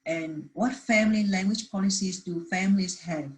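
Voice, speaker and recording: A woman's voice: medium pitch, moderate pace. A woman presenting a research paper at a conference, reading steadily from prepared slides with the odd restart.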